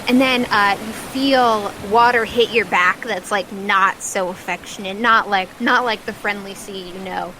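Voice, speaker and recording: A woman's voice: medium pitch, background noise. A woman game master improvising casual, conversational narration for a tabletop game, often saying "like". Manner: conversational, peppered with "like".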